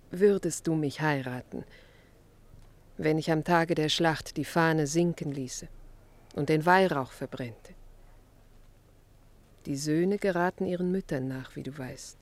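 A woman's voice: deep voice, slow pace, long pauses. An actress playing a devout, fearless young Christian woman in a German radio play, speaking with solemn, fervent dignity. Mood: exalted, solemn.

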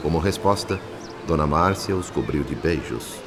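An actor with a Brazilian accent playing a gentle, reflective spirit who narrates a radio drama in a measured, solemn way. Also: male voice, very deep voice, lively intonation. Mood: tender, solemn. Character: gentle, reflective male spirit narrator telling a family's story. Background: background music.

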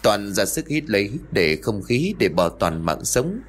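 A man narrating a horror story in a steady, suspenseful scripted way. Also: fairly low pitch, unhurried. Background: faint music.

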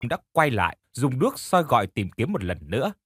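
A man reads a horror audiobook with dramatic, emotive narration. His voice is husky and swings widely in pitch. The recording is close and dry. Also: moderate pace, no echo. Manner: emotive, expressive storytelling.

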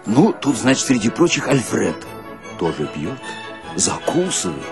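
A man's voice: medium pitch, unhurried, creaky, over loud music. A man performing a colloquial comic monologue as a storyteller, with a folksy, theatrical delivery. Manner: folksy, theatrical, animated, breaks into mock singing.

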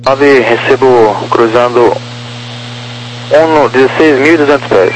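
A man's voice: medium pitch, measured pace, rough recording. Male approach controller over humming radio. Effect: aviation radio. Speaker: approach air traffic controller. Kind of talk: formulaic radio clearances. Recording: humming air traffic radio channel.

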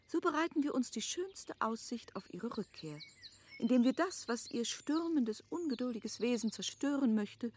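An encouraging lady of the manor in a radio play. Her fairly high voice rises and falls freely as she speaks in formal, eloquent phrases. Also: a little mellow. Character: composed, encouraging noblewoman, mistress of the house. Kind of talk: literary radio drama dialogue.

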